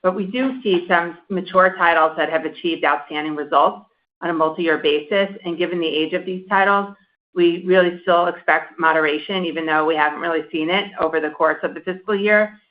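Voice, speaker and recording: An executive with a medium-pitched voice answers a question on an earnings call. The recording is a little dull and lo-fi. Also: fairly even intonation, brisk. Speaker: company executive. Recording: dull conference call audio.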